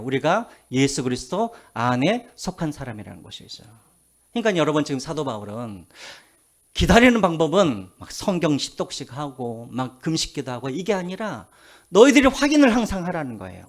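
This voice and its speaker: A male pastor preaching a Sunday sermon who keeps asking the congregation questions and answering them himself, slowing down to read scripture aloud. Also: mid-range voice. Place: church sanctuary.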